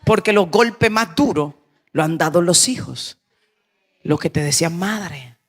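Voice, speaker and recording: A woman pastor preaching a sermon, emphatic, moving between hushed passages and raised, urgent lines. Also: lowish voice, expressive, unhurried, slightly rough.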